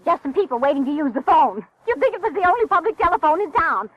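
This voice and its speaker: A woman's voice: extremely high pitch, animated, fast. An actress playing a self-absorbed, chattering woman on a payphone in old-time radio style. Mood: indignant, flustered. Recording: noisy, muffled old radio recording.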